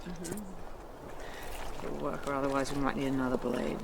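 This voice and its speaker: A man who teaches wilderness skills, speaking slowly and reflectively in a documentary interview and while teaching. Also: mid-range voice, gravelly, noisy background.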